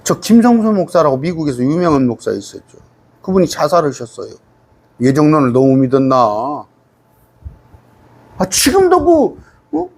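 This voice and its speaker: Middle-aged guy pastor doing bible study, kinda high voice, chatty, asks the room questions a lot. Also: husky. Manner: conversational, animated, rhetorical questions to listeners; reads scripture aloud slowly, sometimes singing it.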